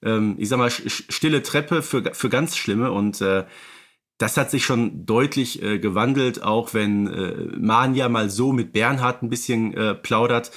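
A man's voice: medium pitch, a little slow, fairly bright tone. A man co-hosting a podcast, chatting casually with frequent hesitations. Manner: hesitant, many "äh" fillers, chatty. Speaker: podcast co-host. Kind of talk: casual podcast chat about radio plays.

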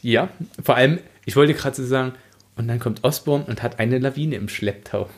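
A man's voice: mid-range voice, moderate pace. A man co-hosting a podcast, talking through a book in a conversational, explanatory way. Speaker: podcast co-host. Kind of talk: casual book discussion.

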